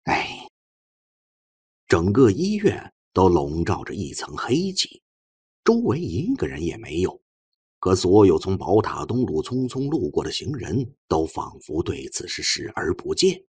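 Male audiobook narrator, lowish pitch, extremely animated, husky, dramatic storytelling. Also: unhurried, no echo, clean studio sound.

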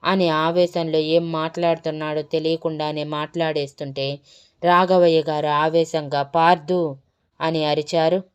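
A woman narrating a romance story serial in a dramatic, even-paced storytelling manner. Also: low voice, normal speed, clean tone.

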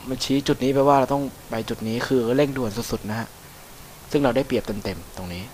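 Casting note: male let's-play commentator, mid-pitched, loose and chatty, faint hiss under the recording. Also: fast talker. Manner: chatty, swears freely, excitable whoops. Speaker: gameplay commentator.

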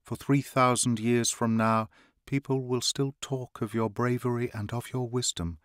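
A man reading an audiobook, voicing a middle-aged warrior chief who speaks gravely and in a subdued, measured way. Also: mid-range voice, fairly even intonation, no room sound, studio quality, natural voice.

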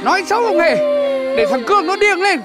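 A woman's voice: very high-pitched, animated, a little fast, over loud music. An actress playing a bossy, harsh young village woman who scolds and orders people around, in a television drama. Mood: scolding.

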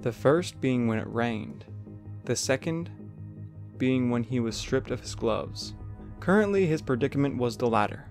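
A man narrates a scripted story in a gravelly, creaky voice of middling pitch. Faint music plays behind him. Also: expressive, a little slow, darkish tone.

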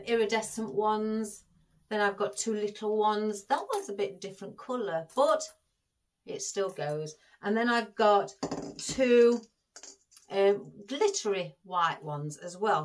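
A woman with a chatty manner, giving a craft tutorial and calling her viewers guys as she talks them through each step. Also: medium pitch. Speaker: florist demonstrating an arrangement.

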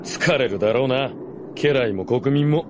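A man playing a cynical, rough-spoken mercenary warrior in a radio drama, blunt and casual. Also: medium pitch, a little slow, background noise, natural voice. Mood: sardonic. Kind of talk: Japanese radio drama acting.

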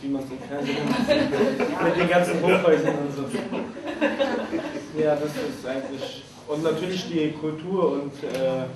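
A man aged twenty-three, a trainee, introducing himself in a rambling, eager way. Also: on the high side. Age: 20s. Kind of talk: self-introduction. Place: large hall. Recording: very echoey hall from far off.

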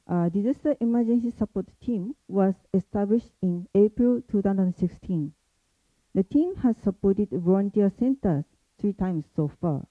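A woman's voice: medium pitch, no echo. Hesitant woman giving a prepared presentation. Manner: careful, hesitant delivery with many pauses and fillers. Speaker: university presenter. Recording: tinny phone-like sound, dry.

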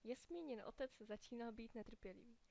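A woman narrates a children's fairy tale in a clear, steady storytelling manner. Her voice sits somewhat high and she reads with calm, even pacing.

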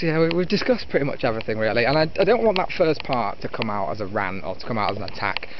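Rambling young British man outdoors, noisy muffled audio. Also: mid-range voice. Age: 20s. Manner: self-deprecating, blithering. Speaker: vlogger, retro gaming YouTuber. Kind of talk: rambling casual walking vlog. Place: outdoors, walking along a field edge by trees. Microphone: camera on a stick at arm's length. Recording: dull muffled camera audio with outdoor wind noise.

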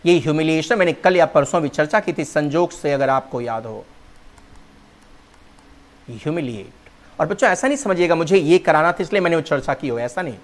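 Lively high-pitched Hindi-speaking male teacher. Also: normal speed. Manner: addresses students as "bachchon", spells words letter by letter; mixes Hindi with English words and phrases. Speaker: English exam teacher. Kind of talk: Hindi lecture on English vocabulary.

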